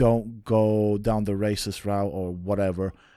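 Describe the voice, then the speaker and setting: A man with a slight non-native accent speaks in a fairly low, dark, mellow tone. The recording is very clean, with a silent background. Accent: slight foreign. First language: not English. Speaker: gaming YouTuber. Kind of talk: casual talk to camera.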